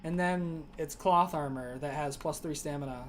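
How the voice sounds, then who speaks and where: A man's voice: a little high, moderate pace, slight background noise. Rambling young male streamer, dry throat. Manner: rambling, lots of fillers and restarts. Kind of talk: casual gaming stream chat.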